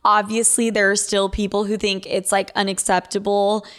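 A young American woman talks in a Valley girl voice at an ordinary female pitch. She hosts a casual advice show, speaking bluntly and swearing freely. Her sentences are loose and chatty, peppered with "like". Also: flat delivery, normal speed, a bit bright. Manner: Valley girl drawl with frequent "like". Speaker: podcast host giving listener advice. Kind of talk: casual, unfiltered advice talk.

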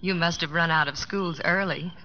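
A woman's voice: fairly low pitch, steady tone, normal speed, sharp tone, slight background noise. A woman playing a sensible, direct young small-town American woman in a radio drama. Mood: curious, teasing. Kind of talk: 1950s radio drama acting. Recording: dull old radio recording with music.

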